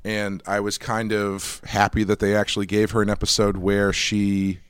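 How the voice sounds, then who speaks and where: A man's voice: fairly low pitch, completely flat delivery, normal speed, smooth, dry recording. A man co-hosting a podcast in casual chat, hesitant and often restarting his sentences. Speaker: podcast co-host.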